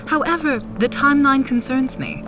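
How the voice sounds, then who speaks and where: A woman playing a courteous but controlling government official in an audio drama, with formal, deliberate phrasing. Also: sits high, over music, close to an everyday voice. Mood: concerned, probing.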